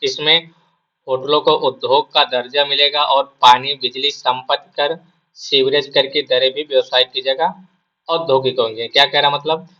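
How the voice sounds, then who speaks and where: A man's voice: mid-range voice, fairly even intonation, moderate pace, sharp tone, muffled recording. A male exam prep teacher with a sore throat gives a casual spoken lesson, repeating his points and asking and answering his own questions.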